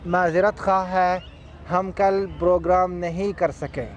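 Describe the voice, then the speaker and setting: Male language teacher with a high voice, slow and careful delivery, faint traffic noise behind. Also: little pitch movement, highs cut off. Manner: says each phrase slowly, then explains it in a second language. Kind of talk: slow repeated lesson phrases with explanations.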